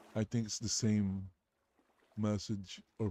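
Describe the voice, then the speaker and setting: In a non-native accent, a man speaks at a fairly slow pace with a relaxed, dark, mellow tone in a dry, close sound with no echo. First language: not English. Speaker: gaming streamer. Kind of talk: live gameplay commentary. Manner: relaxed, casual.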